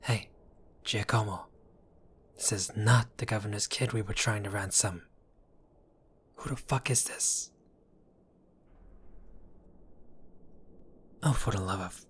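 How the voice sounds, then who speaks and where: A man's voice: fairly low pitch, steady tone, a little slow, long pauses, a bit bright, slight background noise. A man playing a chatty, apologetic mafia boss in an audio roleplay, talking to the listener in a wry, exasperated, placating way. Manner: conversational, wry, placating, theatrical asides.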